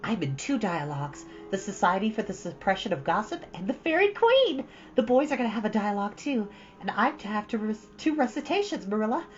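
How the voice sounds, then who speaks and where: A woman's voice: medium pitch, very animated, brisk, highs cut off, soft background music, voice pushed up, natural voice. A woman voicing an eager, dramatic young girl from a storybook, gushing breathlessly and theatrically. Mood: pleading, excited. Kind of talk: storybook character voice.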